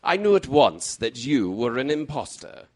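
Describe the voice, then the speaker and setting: Animated, theatrical gentleman detective played by a man. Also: mid-range voice. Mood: assured, explanatory. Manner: precise, theatrical, deliberate explaining. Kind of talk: old-time radio mystery acting.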